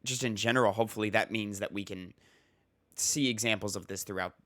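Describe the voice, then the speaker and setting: A man's voice: lowish voice, fairly quick, a bit bright, no room sound. A man hosting a casual gaming podcast with a slightly stuffy nose, rambling with fillers and reading news articles aloud. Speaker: podcast host.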